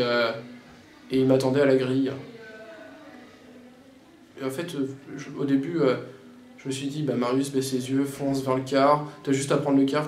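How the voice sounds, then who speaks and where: A teenage boy giving a personal testimony, halting and reflective as he recounts events. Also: medium pitch, a little mellow. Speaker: interviewee. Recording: roomy with faint background noise.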